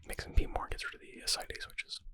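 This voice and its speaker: A man whispering in a breathy, unvoiced ASMR style, reading aloud and adding informal, thinking-aloud asides. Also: fast talker, bright, forceful tone, no echo. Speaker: ASMR creator reading and answering medical exam questions.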